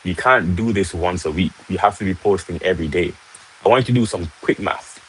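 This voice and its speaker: A man's voice: low voice, a little fast, a little hiss or hum, low-quality recording. A young man from Jamaica with a Jamaican accent, hosting a casual livestream and chatting to viewers, often tagging on "right?". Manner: chatty, repeats "right?", greets viewers mid-talk. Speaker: livestream host. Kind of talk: casual live-stream teaching. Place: in Jamaica, casual home setting.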